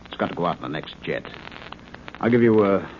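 An actor playing a brisk male research chief in a 1950s radio drama, clipped, official and businesslike. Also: sits low, animated. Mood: brisk, commanding. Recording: muffled, hissy old radio recording.

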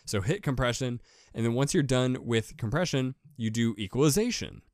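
Deep-voiced man rambling about recording. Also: normal speed, darkish tone, no room sound, studio quality. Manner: rambling, enthusiastic, repeats himself. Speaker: podcaster. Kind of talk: casual how-to talk. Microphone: USB desk microphone with pop filter.

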